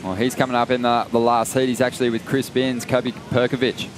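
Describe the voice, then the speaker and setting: A man leading surf contest commentary in a steady play-by-play way. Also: medium pitch, fairly quick, noisy background. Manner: steady play-by-play, leads the broadcast. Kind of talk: sports commentary.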